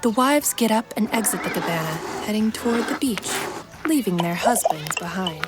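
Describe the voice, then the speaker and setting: A woman's voice: mid-range voice, animated, moderate pace. A woman delivering scripted, present-tense story narration as an audio drama's narrator. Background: prominent music.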